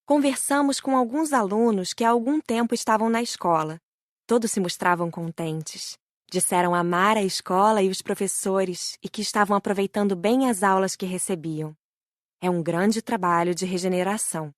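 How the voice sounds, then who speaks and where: A woman with a Brazilian Portuguese accent reading a spiritual book aloud as a first-person narrator, gentle and admiring. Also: mid-range voice, fairly even intonation, moderate pace, dry recording, studio quality. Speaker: audiobook narrator.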